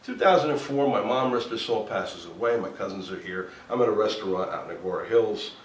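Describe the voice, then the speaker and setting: A man's voice: fairly low pitch, fairly quick. A man who is a former cop turned actor, from New Jersey, telling stories in a casual chat and acting out what people said. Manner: animated storyteller acting out quotes. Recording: echoey room, voice a bit far from the mic, faint background noise.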